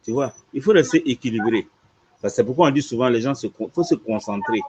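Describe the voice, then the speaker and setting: Over a noisy background, an imam with a mid-range voice talks fast while answering questions, explaining a religious teaching with lively repetition and frequent "tu vois". The audio is dull and lo-fi.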